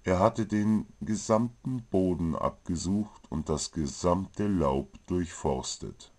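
A man's voice: low-pitched, darkish tone. A man narrating a comic fantasy story from a script.

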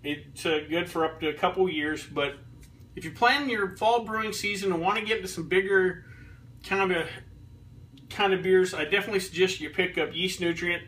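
A man in his thirties reviewing beer in a relaxed, rambling way, with lots of ums and restarts, filmed in his home kitchen. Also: high voice, moderate pace, far from the mic, low-quality recording. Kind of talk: casual beer review vlog. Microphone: fixed camera a few feet away.

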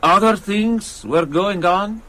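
A man's voice: sits high, slow pace, sharp tone, heavily acted, low-quality recording. An actor playing a solemn, probing male priest in a radio drama.

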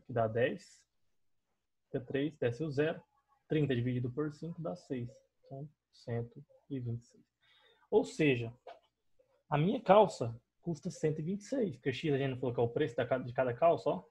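Husky Brazilian man teaching math. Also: mid-range voice, a little mellow, lo-fi sound. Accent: Brazilian Portuguese. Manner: patient step-by-step explaining, checks in with students often. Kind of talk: online math class explaining on a digital board. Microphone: voice-over on screen recording.

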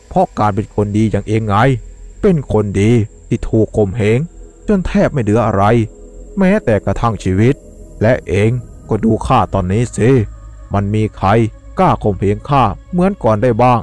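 หัวหน้าอันธพาลประจำหมู่บ้านที่แค้นฝังใจ ชายคนหนึ่งเล่นเป็น เสียงต่ำ ตะคอกและเยาะเย้ยอย่างขมขื่น มีดนตรีคลอเบาๆ. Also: male voice, fairly low pitch, sing-song, moderate pace, darkish tone, soft background music. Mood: bitter. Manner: snarling, scornful. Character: bitter, vengeful village thug leader.

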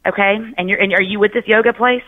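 This woman speaks quickly down a tinny phone line, with a dry sound and no room around it. She is indignant and insistent, pushing back on every accusation. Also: mid-range voice, fairly even intonation, no echo. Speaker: prank call target. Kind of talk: phone conversation.

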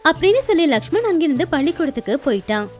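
A woman's voice: sits high, very animated, rapid-fire, a little mellow. A woman narrating a cartoon moral story and voicing the mother, in a plain, simple way. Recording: faint music underneath.

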